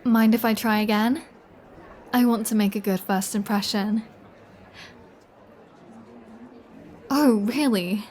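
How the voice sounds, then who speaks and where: A woman's voice: on the high side, fairly even intonation, a little mellow, slight background noise, close to an everyday voice. A woman playing a flirty, playful vampire who teases in a chatty, self-assured way, as in an intimate roleplay audio. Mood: flustered flirty. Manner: teasing, chatty, unhurried.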